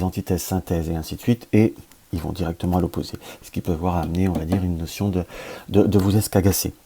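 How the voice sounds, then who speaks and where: A man's voice: low-pitched, mellow, slightly rough. A man with a French accent giving a daily card reading to camera, talking hesitantly with many restarts and fillers. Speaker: tarot reader.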